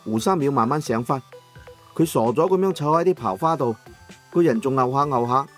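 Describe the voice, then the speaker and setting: A man narrating an audiobook in the first person in Cantonese, with colloquial, expressive dramatic storytelling. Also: medium pitch, fairly quick, soft background music.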